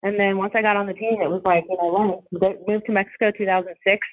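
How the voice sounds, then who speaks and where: A woman's voice: medium pitch, steady tone, fast. A woman, a soccer coach and commentator, talking casually in an interview and rambling with many fillers. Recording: tinny phone line.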